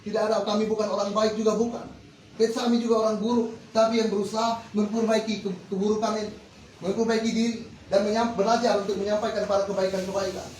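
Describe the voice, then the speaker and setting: A man's voice: sits high, little pitch movement, fast, a little mellow. A man preaching a Muslim sermon, exhorting listeners with rhetorical questions. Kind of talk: religious sermon to an audience. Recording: echoey, distant mic with faint noise.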